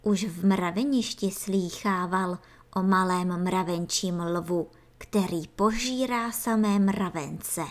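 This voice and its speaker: Woman reading a children's story. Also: fairly low pitch. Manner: expressive storybook narration. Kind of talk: reading a children's book aloud.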